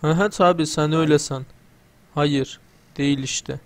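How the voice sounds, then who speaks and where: A man's voice: fairly high pitch, steady tone, normal speed. A young man giving casual let's-play commentary, joking, swearing and talking back to the game's characters. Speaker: gamer playing through a video game.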